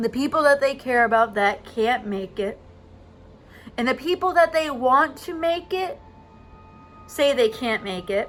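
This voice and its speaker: A woman's high voice with lively intonation at a fairly slow pace, marked by long, frequent pauses, with music in the background. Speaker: vlogger. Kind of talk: casual vlog monologue. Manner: wavering pitch.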